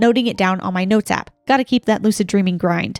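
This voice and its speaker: A woman's fairly high voice at a very fast pace, with ordinary pitch variation, dry, close sound with no echo, and music in the background. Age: 20s. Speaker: podcast co-host. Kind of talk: reading aloud listener stories.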